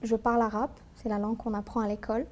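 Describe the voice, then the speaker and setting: Woman, 30s, soft dark timbre, thoughtful interview guest. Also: on the high side, little pitch movement, fast, slight background noise. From Algeria. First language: Algerian Arabic. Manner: earnest, thoughtful, with frequent hesitations. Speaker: guest, tax lawyer. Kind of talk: personal interview, recounting her life.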